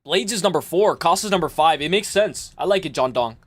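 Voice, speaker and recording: A man hosting a live stream, chatting loosely with his viewers and rambling through quick asides. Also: a little high, animated, fairly bright tone, breathy edge. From Spain. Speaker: livestream host. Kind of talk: casual live stream chat.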